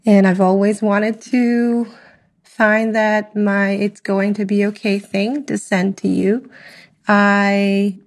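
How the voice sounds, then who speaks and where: Slow-speaking woman leaving a voice memo. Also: medium pitch, little pitch movement. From Albania. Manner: unhurried, with many fillers and soft laughs. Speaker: listener sending a voice message. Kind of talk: casual recorded voice memo.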